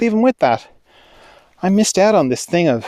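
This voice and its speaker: His pace is very fast. The man's pitch swings very widely. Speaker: vlogger. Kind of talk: casual monologue to camera while hiking. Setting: outdoors on a hillside. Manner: conversational, rambling.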